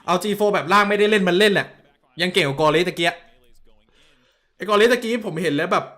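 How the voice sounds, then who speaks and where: Bright-voiced, excitable male streamer. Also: sits high, fast talker. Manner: blunt and excitable, with crude slang; answers viewer messages directly. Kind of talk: casual esports watch-along commentary.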